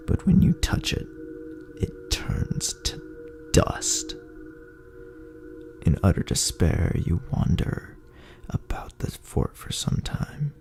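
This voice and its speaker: A man narrating a second-person sci-fi horror story in an ominous, dramatic way, his gravelly, breathy voice often sinking toward a whisper. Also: low-pitched. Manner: ominous, drawn-out, dramatic phrasing. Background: music.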